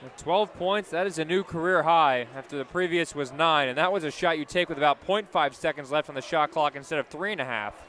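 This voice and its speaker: Man, American accent, slightly high voice, live sports analysis, faint venue noise. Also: fairly quick, few pauses, a bit bright. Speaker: color commentator.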